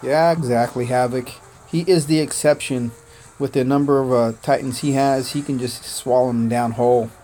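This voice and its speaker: A man born in Korea, whose first language was Korean, chats through a livestream of a strategy game. His voice sits at an ordinary mid pitch, and he rambles easily, thanking viewers by name between "uh"s and "man"s. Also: fairly even intonation, moderate pace, dark tone. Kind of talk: casual gaming livestream chat.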